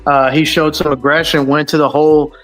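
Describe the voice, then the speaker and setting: A man's voice: a little high, flat delivery, brisk, fairly bright tone, soft background music. A man hosting a casual sports talk show, rambling with lots of fillers and restarts. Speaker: sports podcast host.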